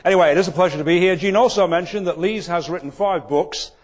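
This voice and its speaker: A man from England with a Manchester accent delivers a comic keynote speech before a live audience at an event venue. His humor is dry and self-deprecating, and he talks fast in a high voice.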